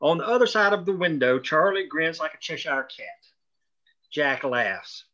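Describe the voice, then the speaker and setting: A man's voice: on the high side, animated, moderate pace, sharp tone, lo-fi sound. A man reading scripted stage directions aloud at a screenplay table read.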